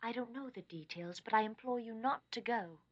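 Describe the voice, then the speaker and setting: A woman's voice: a little high, brisk, lightly acted. A woman voicing Queen Esther, earnest and imploring. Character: devoted young queen, earnest and pleading. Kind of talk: animated Bible drama. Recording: dull lo-fi sound.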